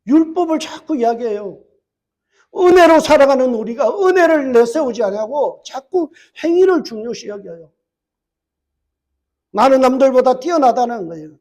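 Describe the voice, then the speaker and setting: Male pastor with a very high voice, preaching at a church service and quizzing his flock. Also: animated, moderate pace, a little mellow. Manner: asks the congregation rhetorical questions and answers them; emphatic preaching with repeated phrases. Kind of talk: sermon.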